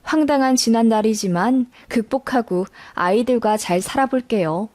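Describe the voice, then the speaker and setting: A woman's voice: on the high side, normal speed, darkish tone, no room sound. A woman narrator reading a scripted first-person life story. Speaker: narrator of listener life stories.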